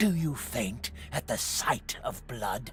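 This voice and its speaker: In a put-on character voice, a man whispers hoarsely at a very slow pace with clear music in the background. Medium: game stream.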